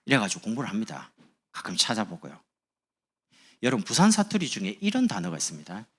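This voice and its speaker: A man's voice: lowish voice, huge pitch swings, quick pace, fairly bright tone, breathy edge. A man preaching as a pastor, speaking in a chatty, humorous sermon to his congregation in a church. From Busan, South Korea. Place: church sanctuary.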